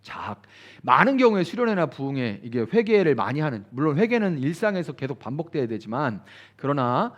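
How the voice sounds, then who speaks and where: Animated high-pitched male pastor preaching. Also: a little fast, lo-fi sound. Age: adult, grew up attending church retreats. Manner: animated, acts out quoted voices with big pitch swings. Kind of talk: sermon at a midweek prayer service.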